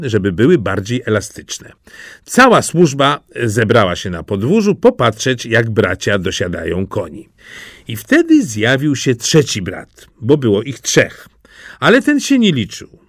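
A man narrating a fairy tale for an audiobook, very expressive and animated. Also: no echo, clean studio sound. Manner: highly expressive, animated storytelling.

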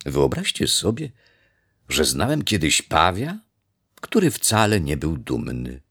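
A man reading a children's story aloud, expressive and unhurried. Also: extremely low pitch, breathy edge. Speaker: storybook reader.

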